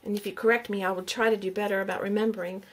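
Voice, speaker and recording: A woman's voice: mid-range voice, flat delivery, very fast. A middle-aged woman, chatting casually on camera as she hosts a giveaway, sounding out names aloud and asking viewers questions. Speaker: YouTube crafter hosting a giveaway. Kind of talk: casual on-camera vlog chat.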